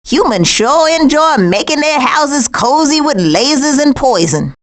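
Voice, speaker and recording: A sassy female cartoon skunk for a video game, with an American accent. The voice sits high and moves in lively, animated swings. The delivery is cranky, folksy and dry-witted, full of streetwise sarcasm. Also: a little slow. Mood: sassy, deadpan.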